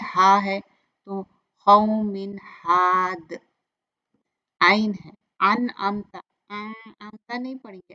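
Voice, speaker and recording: A woman teaching recitation rules, patiently repeating each example slowly and clearly. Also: mid-range voice, fairly bright tone, dull audio. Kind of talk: step-by-step tajweed lesson.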